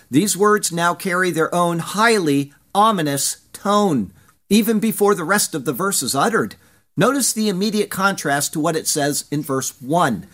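A man preaching a verse-by-verse Bible sermon, reading scripture quotes with measured emphasis. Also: on the high side, fairly bright tone.

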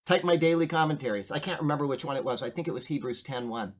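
A man's voice: fairly high pitch, fast. An older man preaching a sermon in a conversational, rambling way, often checking in with "okay?" and "right?". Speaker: pastor.

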